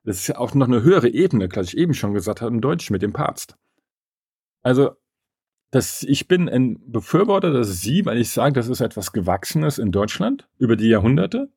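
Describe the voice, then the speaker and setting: A man's voice: medium pitch, very animated, normal speed, dark tone, husky, no echo, clean studio sound. A man being interviewed as an etiquette expert, speaking in an opinionated, emphatic and rambling way. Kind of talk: conversational interview.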